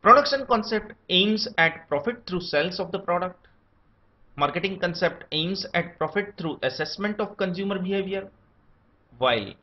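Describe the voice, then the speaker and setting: Male lecturer, Indian accent, steady itemized delivery, lively intonation, muffled lo-fi recording. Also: high voice. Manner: steady enumerating delivery, lists points one by one. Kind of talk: scripted academic lecture. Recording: dull lo-fi recording.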